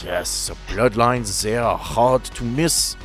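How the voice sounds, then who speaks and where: A man's voice: medium pitch, slow, soft background music, close to an everyday voice. A man voicing a polite older German doctor with a put-on German accent and a formal, probing manner. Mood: genial. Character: older thin male German doctor, genial.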